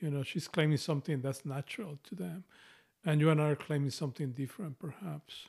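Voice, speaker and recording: A man with a strong Mexican accent, fairly high-pitched and somewhat breathy, speaking very fast with ordinary pitch variation in a dry, close sound with no echo, on a very clean recording with a silent background. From Mexico. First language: Spanish. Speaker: podcast host. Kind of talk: casual literary discussion.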